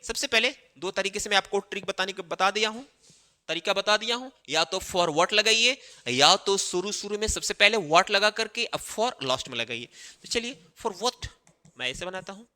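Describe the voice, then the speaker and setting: A man teaching English grammar in Hindi. He explains slowly and repeats phrases, with many fillers, while writing on a board. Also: high-pitched, pushed and bright, big-room sound.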